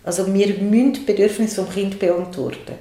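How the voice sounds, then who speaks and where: A woman with a Swiss German accent calmly explaining how to soothe and talk to small children in a casual conversation. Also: medium pitch, brisk, echoey room. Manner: calm, explanatory, acts out soothing words to a baby.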